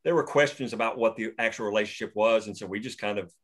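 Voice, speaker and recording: A man's voice: lowish voice, fast. Rambling male screenwriter on a video call. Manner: rambling, with many restarts and fillers. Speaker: screenwriter hosting a table read. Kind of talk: casual chat after a table read.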